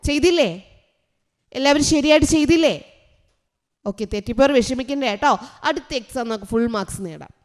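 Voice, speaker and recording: Kerala-accented woman tutor, fairly high voice, coaxing quiz questions to young pupils. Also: animated, fairly quick, pauses often. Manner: explains each English phrase in Malayalam, quizzing pupils. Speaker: online tuition teacher. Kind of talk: exam answer walkthrough for children.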